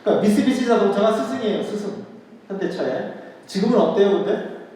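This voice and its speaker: A man's voice: sits high, lively intonation, fairly quick, dark tone. A man giving a history lecture to an audience in a conversational way, asking rhetorical questions and repeating key words. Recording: echoey hall, voice picked up from a distance.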